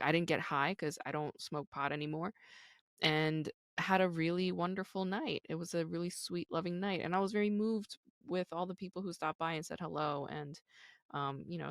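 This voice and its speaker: A woman's voice: low voice, dry recording, studio quality. A woman in her thirties hosting her own podcast, talking candidly and casually with lots of "like" and "you know". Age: 30s. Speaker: podcast host. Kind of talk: casual solo podcast talk.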